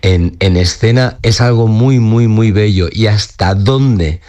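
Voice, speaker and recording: A man's voice: fairly low pitch, slow, mellow. A man in his fifties, a dancer and company director, talking earnestly in an interview with many restarts and tag questions. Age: 50s. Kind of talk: radio interview.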